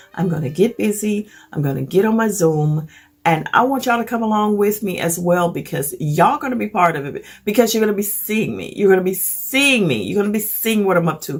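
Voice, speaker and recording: A woman speaks at a medium pitch in an animated tone. Her voice is somewhat breathy, with lively intonation. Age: 60s. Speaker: YouTuber, lifestyle vlogger. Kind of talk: casual vlog monologue to camera.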